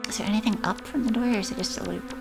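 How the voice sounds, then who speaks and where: A woman casually narrating her way through a game on stream, now and then reading the on-screen poems aloud. Her voice sits at an ordinary middle pitch. Game music plays clearly beneath her. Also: very fast. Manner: reads in-game poems aloud, chats to chat. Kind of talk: casual gameplay commentary. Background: game music and insect sounds.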